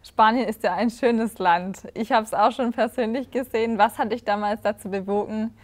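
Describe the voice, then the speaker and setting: A woman interviewing a guest, asking questions clearly and encouraging her with frequent short agreements. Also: on the high side, fairly even intonation, moderate pace. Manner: encouraging, frequent back-channel "mhm".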